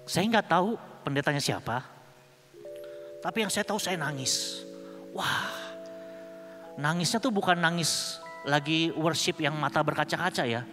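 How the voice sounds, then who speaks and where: A man's voice: on the high side, a little slow, long pauses, sharp tone. A man giving a personal testimony sermon at a conference, telling his story in a casual, humorous way with slang, on a stage microphone. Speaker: conference speaker. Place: large conference hall. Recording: long hall reverb with music underneath.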